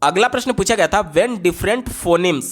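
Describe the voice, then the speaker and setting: A man, a teacher working through exam questions. He reads the English question text slowly and explains it at length, repeating key points. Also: high voice, lively intonation, fairly bright tone, slight background noise. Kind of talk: exam-prep lesson explaining answer options.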